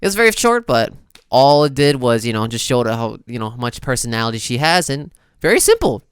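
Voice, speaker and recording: Music runs under this video host, a man doing slangy, exclamatory game reaction commentary in a casual style. His medium-pitched voice is clear, resonant and very animated, a little fast, recorded with studio quality and no room sound.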